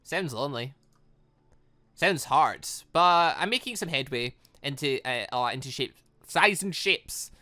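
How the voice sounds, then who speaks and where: A man hosting a gaming video, thinking aloud and reading game dialogue in an excitable, animated way. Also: medium pitch, measured pace. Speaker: gaming channel host.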